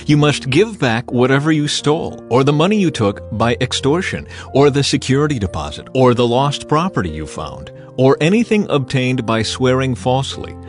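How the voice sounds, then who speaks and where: A man narrating scripture as a dramatized audio reading, with a solemn, measured and emphatic manner. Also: medium pitch, very animated. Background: background music.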